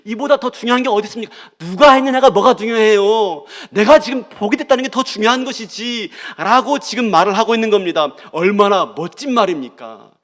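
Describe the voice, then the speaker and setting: A man, a pastor, preaching a sermon in an animated way, asking rhetorical questions and acting out quotes. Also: high-pitched, brisk, hardly any pauses, big-room sound. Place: church sanctuary.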